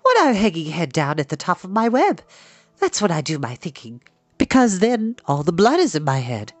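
A storyteller voicing a calm, motherly female spider who is kindly but firm, with a crisp, instructive manner. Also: mid-range voice, moderate pace, no echo, pitched above the performer's own voice. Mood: cool, assured.

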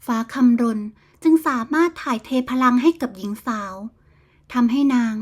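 A woman narrating a bedtime folk tale in a smooth, even storytelling manner. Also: a little high, normal speed.

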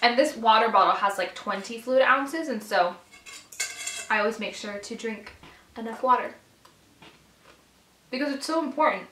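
A woman in her twenties chatting casually to camera over a meal, informal and animated, chewing as she talks. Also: fairly high pitch, normal speed, long pauses, slight background noise. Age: 20s. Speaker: vlogger. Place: small bedroom, indoors. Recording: echoey room sound.

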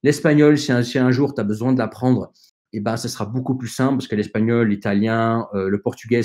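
A man's voice: mid-range voice, darkish tone. Hesitant man giving earnest advice. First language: not French. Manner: hesitant, with frequent fillers and restarts; earnest, direct advice to young listeners. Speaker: podcast guest. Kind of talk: conversational advice in an interview.

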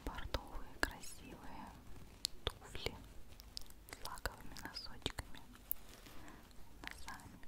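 A woman whispers from very close, as if right in your ear. She speaks in an ASMR chat style, gushing and affectionate. Every phrase stays soft and breathed into a microphone at her lips. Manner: gushing, affectionate, fond of diminutives. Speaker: ASMR video host. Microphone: large studio microphone right at the mouth.

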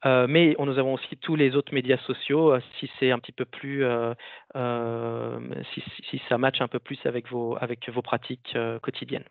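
A man wraps up an online talk, hesitating and filling pauses as he goes. His voice is gravelly, and it comes through a tinny, phone-like line with a dry sound. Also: medium pitch, flat delivery, dry recording. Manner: hesitant, filler-heavy. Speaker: presenter finishing a talk. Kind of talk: online presentation. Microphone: video call.

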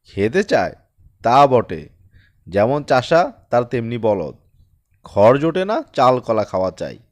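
A man voicing a haughty, callous Brahmin priest in an audiobook story, with sharp taunts and contemptuous commands. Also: mid-range voice, very animated, takes it slowly, dry recording. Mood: angry, contemptuous.

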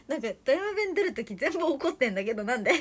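Reading viewer comments on her livestream, this young Toyama-accented idol from Toyama, Japan keeps the chat casual and giggles a lot. She talks fast in a high voice with big swings in pitch.

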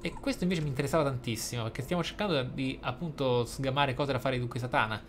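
A man's voice: mid-range voice, fast talker, fairly bright tone, a little hiss or hum. A man, a gaming host reading in-game text aloud expressively, with casual, playful asides.

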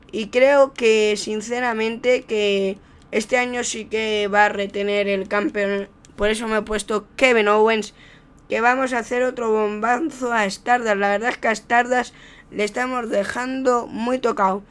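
Casting: Spaniard with a clean, smooth voice for off-the-cuff wrestling commentary on video game play, excitable play-by-play delivery. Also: mid-range voice. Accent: Spain. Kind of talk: improvised gameplay commentary.

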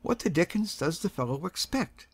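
Woman putting on a gruff old gentleman, irascible, sharp-tongued, animated pitch, dry close sound. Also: normal speed, dry recording. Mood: blustering, gruff. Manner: sharp, blustering, commanding.

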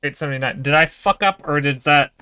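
Bright-voiced, uneasy male horror game streamer. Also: a little high, fast, clean tone. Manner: uneasy, sweary, muttering taunts at the monster. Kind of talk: casual horror game play commentary.

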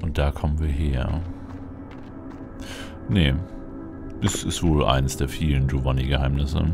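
A man with an extremely deep voice full of gravelly fry. He gives casual, playful gameplay commentary, musing aloud in character as a Let's Play host. Game music plays clearly behind him. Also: fairly even intonation, measured pace.

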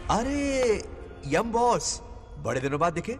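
A man's voice: fairly high pitch, very animated, fairly quick. An actor dubbing a film, playing the joking ghost of a dead grandfather in heaven, with a teasing, playful manner. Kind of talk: Hindi film dub. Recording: film audio with reverb and music.

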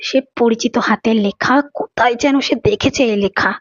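A woman narrates a dramatic audio story from a script. Her voice sits on the high side, and the recording sounds a little muffled and lo-fi. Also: moderate pace. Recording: dull lo-fi recording.

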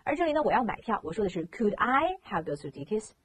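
A woman with a Mandarin Chinese accent teaches English grammar at a quick clip, her pitch swinging up and down as she explains. She keeps asking rhetorical questions and slows down to read the example sentences. Faint ambient noise sits under her voice. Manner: animated, rhetorical questions, reads example sentences aloud slowly. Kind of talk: lively classroom-style lesson explaining English grammar.

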